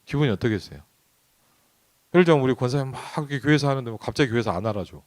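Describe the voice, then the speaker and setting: A pastor delivers a midweek sermon in a church sanctuary, speaking conversationally and often asking the congregation questions. His voice sits at medium pitch and comes out rapid-fire.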